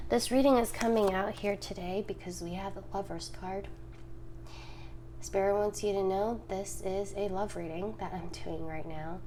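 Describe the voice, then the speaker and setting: Raspy, congested woman reading tarot. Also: on the low side, a little mellow, slight background noise. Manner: chatty and reassuring, often drops to a whisper. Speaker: tarot reader. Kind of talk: casual tarot reading to camera.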